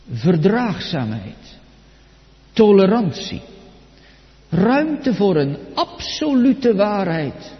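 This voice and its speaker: Emphatic preacher in a reverberant church. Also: male voice, high voice. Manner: solemn, emphatic preaching with slow deliberate stresses. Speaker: pastor. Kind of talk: sermon. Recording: dull lo-fi church recording with long reverb.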